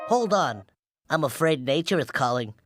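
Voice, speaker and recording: Music plays in the background behind a cartoonish character voice. The pace is moderate. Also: man, fairly high pitch for a man. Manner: prim, erudite exclamations.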